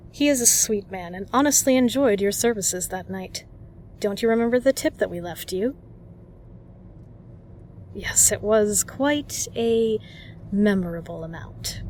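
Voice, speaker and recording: A woman's voice: medium pitch, darkish tone, a little hiss or hum, close to an everyday voice. A woman playing a kind, protective, flirtatious bar regular in an audio roleplay, speaking earnestly and reassuringly to the listener. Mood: frank, reassuring.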